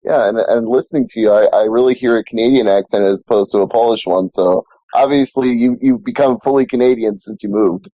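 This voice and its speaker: A man hosting an interview, asking brisk, friendly questions. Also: mid-range voice, warm tone, no echo, poor audio. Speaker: podcast host.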